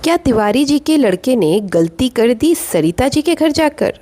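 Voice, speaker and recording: A woman's voice: high voice, sing-song, measured pace, mellow. Woman, vlog host, casual commentary, opinionated and chatty, rhetorical questions. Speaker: vlog host reviewing other vloggers.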